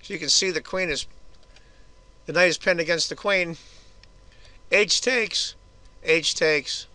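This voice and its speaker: A hoarse man giving casual, chatty move-by-move commentary on a chess game for his video channel. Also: a little high, slow, sharp tone, no echo.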